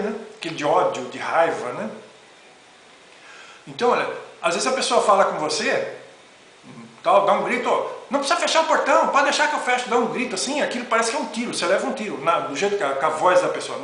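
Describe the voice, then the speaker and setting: A man's voice: sits high, sharp tone. A middle-aged man, talking as a spiritual teacher in an informal, rambling lecture and often tagging on "né?". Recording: very echoey room with faint noise.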